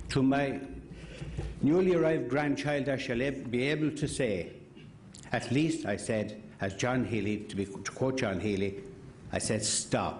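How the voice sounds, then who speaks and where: With noticeable background noise behind him, a man with an Irish accent talks fairly slowly at a medium pitch. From Sligo, Ireland. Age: 60s. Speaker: independent election candidate; retired welfare inspector. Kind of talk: political campaign speech.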